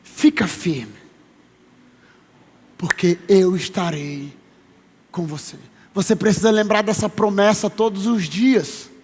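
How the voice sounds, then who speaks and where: High pitched preacher guy, emphatic, drags words out for emphasis, big echoey church sound. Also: breathy edge. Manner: emphatic, slows down to stress promises, calls listeners brother. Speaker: pastor. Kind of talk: sermon. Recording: long reverb of a large hall.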